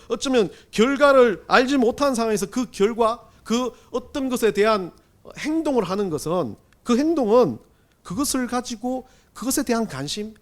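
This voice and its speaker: A male pastor giving a conversational Sunday sermon, asking the congregation rhetorical questions and swinging between loud emphasis and hushed asides. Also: extremely high pitch.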